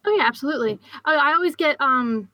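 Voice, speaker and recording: A woman's voice: sits high, expressive, quick pace, pushed and bright, no room sound. A woman with a Philadelphia accent hosting a podcast, chatting casually and rambling with lots of fillers. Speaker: podcast host.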